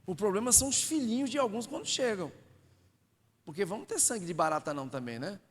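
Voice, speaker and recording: A man preaching a joking, lively sermon as a pastor in a church hall. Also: high-pitched, fast talker, a little hiss or hum. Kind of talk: sermon teaching.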